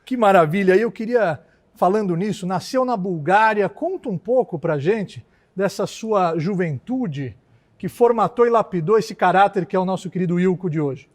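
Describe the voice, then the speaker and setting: A man's voice: high voice, animated, normal speed. A man hosting a televised talk show on a theater stage, interviewing a guest in an effusive, upbeat way.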